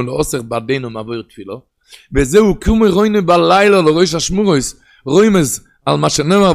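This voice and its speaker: Sing-song man with Ashkenazi pronunciation. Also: on the high side. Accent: Ashkenazi Hebrew pronunciation. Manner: sing-song study cadence, swinging between loud and hushed. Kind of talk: sermon.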